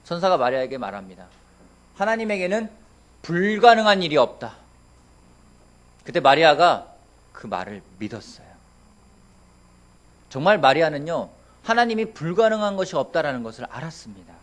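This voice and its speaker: Male pastor in his thirties, animated sermon delivery, questioning the congregation. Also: a little high, a little fast. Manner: lively, asks the congregation questions, playful voices for quotes. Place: church sanctuary.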